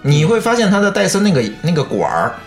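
Male, Beijing accent, conversational explainer, animated intonation, music underneath. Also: high-pitched, fast talker. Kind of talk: casual chat, explaining at length. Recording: music bed behind the talk.

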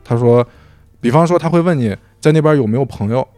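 A man's voice: medium pitch, quick pace, dry recording, soft background music. A man from Xinjiang, China, a podcast guest telling a story in casual chat and acting out quoted dialogue. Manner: animated, acts out quoted dialogue.

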